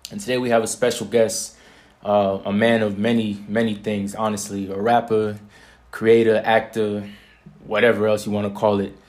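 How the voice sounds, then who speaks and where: Laid-back young male host, flat low voice. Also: normal speed. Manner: laid-back slangy chat. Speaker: interview host. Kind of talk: casual interview conversation.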